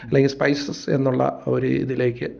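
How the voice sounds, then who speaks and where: Man, agriculture officer as guest, gravelly voice, measured answers with fillers, dull lo-fi radio sound. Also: medium pitch, level tone, a little mellow. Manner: measured, explanatory, with hesitant fillers. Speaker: agriculture assistant, interview guest.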